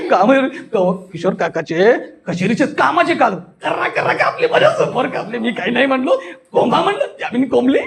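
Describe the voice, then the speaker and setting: A man's voice: extremely high pitch, sing-song, very slow, creaky, pauses often, a crowd in the background, exaggerated voice. A man voicing a giggling, gossipy neighbour telling a silly tale in a classroom demonstration, breaking into laughter as he talks. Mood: giggling, amused. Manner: breaking into laughter while talking.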